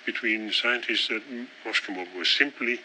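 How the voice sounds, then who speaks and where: A man's voice: on the low side, normal speed, sharp tone, a little hiss or hum, low-quality recording. A man, a scientist, explaining in a hesitant, explanatory way.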